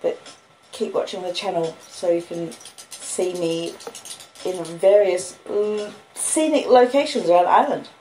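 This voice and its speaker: A woman's voice: fairly low pitch, a little slow, warm tone. Australian woman reading in an echoey room. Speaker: streamer reading novels aloud. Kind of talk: expressive audiobook-style reading of a classic novel with casual chat. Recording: roomy echo, clear background noise or hiss.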